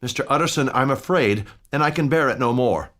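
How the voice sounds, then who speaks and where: A man's voice: medium pitch, fairly quick, fairly bright tone, pitched above the performer's own voice, lightly acted. A man voicing an anxious older butler who pleads urgently and fearfully.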